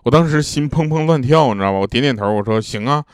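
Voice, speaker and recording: A man's voice: mid-range voice, animated, fast, a little mellow, clean tone, dry recording. Man chatting through funny stories. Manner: chatty storyteller, laughs at his own punchlines; casual slangy asides to the listener. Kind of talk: telling jokes and funny anecdotes.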